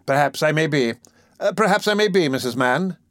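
A man voicing a pompous, self-important parish beadle in an audiobook, with a stately, drawn-out delivery. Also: fairly high pitch, animated, a bit bright, no room sound, clean studio sound, pitched above the performer's own voice. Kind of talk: audiobook character voice.

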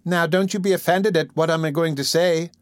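A man's voice: on the high side, moderate pace, dry recording, clean studio sound, voice pushed up, natural voice. A man voicing a sly, sugary older nurse woman in an audiobook, coaxing and persuasive. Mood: wheedling. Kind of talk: audiobook character voice.

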